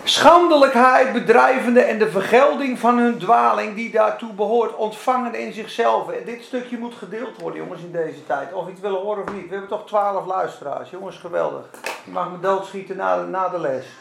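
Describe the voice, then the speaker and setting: Casting: male preacher, fervent and emphatic, high gravelly voice, echoey room with faint ambience. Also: moderate pace, fairly bright tone, slight background noise. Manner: fervent, emphatic, repeats phrases. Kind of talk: sermon.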